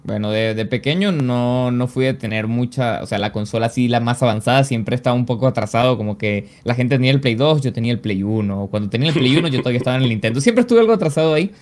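A man of twenty-five with a Venezuelan accent, a guest telling his story in a casual interview over a video call, relaxed and full of fillers. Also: mid-range voice, fast, few pauses. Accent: Venezuelan Spanish. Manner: relaxed storytelling, frequent "básicamente" and "o sea". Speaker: guest, esports caster and pro player. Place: small home streaming room. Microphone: headset on video call.

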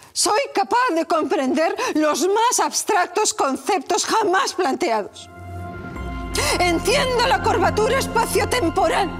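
An actress playing a prim, suddenly intellectual princess who lectures everyone in a preachy, pedantic way. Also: female voice, very high-pitched, heavily acted. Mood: solemn. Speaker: satirical sketch actress. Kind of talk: sketch comedy acting. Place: studio set of a palace room.

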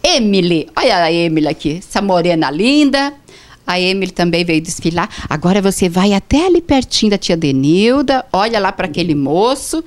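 A woman hosting a children's fashion show indoors, cheerfully and sweetly coaxing the kids to pose. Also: lowish voice. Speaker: show host. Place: indoor atelier.

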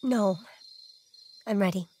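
A woman's voice: mid-range voice, slow, close to an everyday voice. An actress playing a guarded, subdued teenage girl in an audio drama, with short, hesitant answers. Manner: terse, hesitant. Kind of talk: naturalistic audio drama acting.

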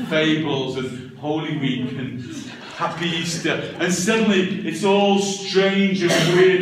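Echoey, distant man giving an animated talk. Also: a little high. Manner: animated, theatrical, emphatic repetition. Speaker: storyteller and speaker training language teachers. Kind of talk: live conference talk with storytelling. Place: medium-sized classroom, indoors. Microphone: distant camera microphone. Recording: echoey room, far microphone, background noise.

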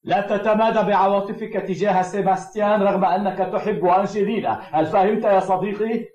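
A man's voice: high voice, fairly even intonation, fast, a little mellow, natural voice. A man voicing a scolding, overbearing village man in a cartoon dub. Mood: admonishing. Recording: echoey, dull old cartoon soundtrack.

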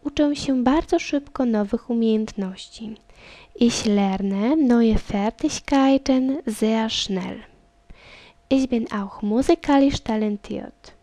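Mellow-voiced woman reading a lesson. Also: a little high, no echo. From Poland. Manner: reads each line in German, then in Polish, then repeats the German slowly. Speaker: German teacher. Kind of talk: reading a language lesson dialogue.

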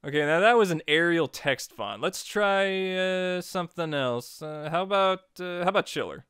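A man narrating a software tutorial in a chatty, informal way, guiding step by step. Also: sits high, lively intonation, moderate pace, clear, resonant tone, no room sound, clean studio sound. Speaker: tutorial host.

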